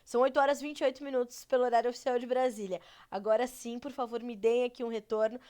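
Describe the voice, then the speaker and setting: Brazilian lady anchoring live farm news, congested nasal voice, slightly high, rattling off prices. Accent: Brazilian Portuguese. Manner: brisk, reads prices in a steady run. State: congested from a cold. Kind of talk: live market news broadcast.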